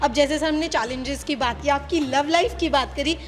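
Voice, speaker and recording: A young woman hosting a food show, interviewing guests eagerly and brightly with lots of affirmations. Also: sits high, normal speed, faint music behind. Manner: bubbly, eager, full of affirmations. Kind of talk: on-camera interview.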